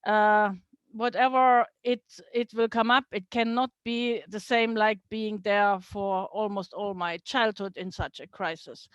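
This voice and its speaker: A middle-aged woman with a German accent tells her story in a video-call presentation, earnest and steady, her English carrying small slips. Her voice sits in a middle register and sounds close and dry, with no room around it. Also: mid-range voice, measured pace, smooth, dry recording. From East Germany. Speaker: guest speaker. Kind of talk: online business presentation.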